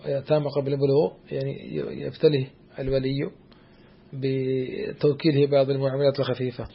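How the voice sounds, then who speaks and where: Quick gravelly male teacher. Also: mid-range voice, little pitch movement, dull audio, a little hiss or hum. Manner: hesitant, many drawn-out fillers, restarts and checks with the student. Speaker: teacher of Islamic jurisprudence. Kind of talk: explaining a classical text to a student.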